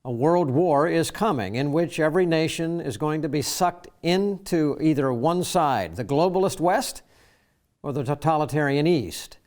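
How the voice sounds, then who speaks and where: Formal, measured man hosting a talk program. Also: on the high side, expressive, a little mellow. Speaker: radio program host. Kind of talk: scripted program introduction.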